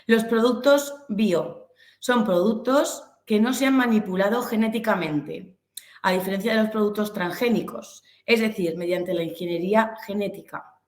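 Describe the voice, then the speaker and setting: A woman's voice: medium pitch, normal speed. A woman from Spain with a Castilian accent giving an informal online lecture, explaining hesitantly and searching for words. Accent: Castilian Spanish. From Albacete, Castilla-La Mancha, Spain. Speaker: webinar presenter, business instructor. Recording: echoey room sound.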